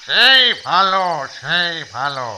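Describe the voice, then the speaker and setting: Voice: medium pitch, big pitch swings, slow, sharp tone, a little hiss or hum, exaggerated voice, low-quality recording. An actor voicing a bossy elder ghost from a village in a children's cartoon. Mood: urging. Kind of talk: slow children's cartoon acting.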